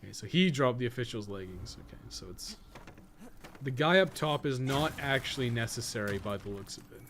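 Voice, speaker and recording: A man's voice: medium pitch, animated, fairly quick, fairly bright tone, a little hiss or hum. A man doing casual live-stream gaming commentary, thinking aloud in a rambling, slangy way with plenty of swearing and joking. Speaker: game guide streamer and podcast host.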